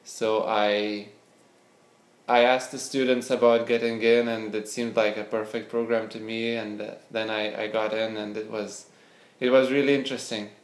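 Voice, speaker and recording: A man's voice: fairly low pitch, level tone, moderate pace. A young man from Lithuania, answering interview questions hesitantly, often repeating words as he searches for them. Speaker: interview guest, scientist and startup founder. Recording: echoey room.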